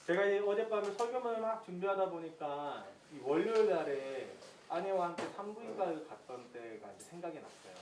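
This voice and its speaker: A pastor in his thirties giving a sermon as lively storytelling, acting out his own prayers. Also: high-pitched, a little fast, few pauses. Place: church hall. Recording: echoey church hall, distant mic, faint hiss.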